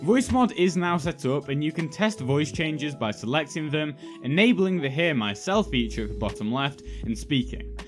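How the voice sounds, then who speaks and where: A young man hosting a tutorial video, reading a scripted how-to guide in clear, step-by-step instructions. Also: fairly high pitch, expressive, normal speed, few pauses. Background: background music.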